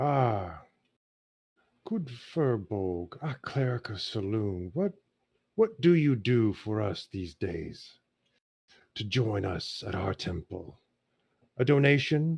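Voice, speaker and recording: A man does a put-on character voice at a medium pitch, with very wide pitch swings. He goes very slowly, with long, frequent pauses. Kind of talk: friendly welcoming. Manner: friendly.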